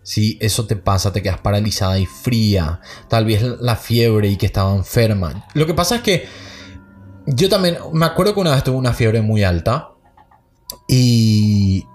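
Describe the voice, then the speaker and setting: A man's voice: fairly low pitch, expressive, moderate pace, darkish tone, faint music behind. A man hosting a podcast, reading listener stories aloud and then chatting casually about them. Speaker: podcast host.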